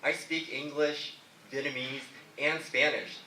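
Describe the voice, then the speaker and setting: Bright-voiced man telling his story. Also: mid-range voice, fairly even intonation, measured pace, slight background noise. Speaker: mayor, political candidate. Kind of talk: debate answer. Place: debate hall. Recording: echoey hall from far off.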